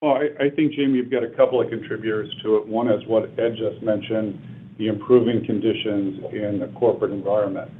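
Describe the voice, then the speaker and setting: A man speaking as a company executive, answering questions on an earnings call in measured, businesslike corporate phrasing. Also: on the low side, steady tone, a little hiss or hum. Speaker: airline executive answering analysts. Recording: narrow phone-line conference call audio.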